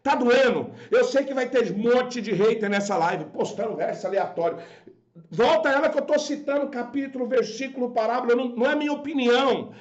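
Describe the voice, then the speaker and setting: Speaking with a very high voice and a Brazilian Portuguese accent, a pastor on a live stream scolds his audience in a fervent sermon, performing the voices of those he quotes. The sound is lo-fi.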